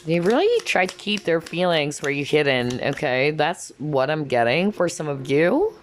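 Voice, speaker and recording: A woman giving a casual tarot card reading, rambling and repeating herself, her voice going hoarse from talking for hours. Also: low-pitched, big pitch swings, normal speed, slight background noise. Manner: rambling, repeats "that's what I'm hearing".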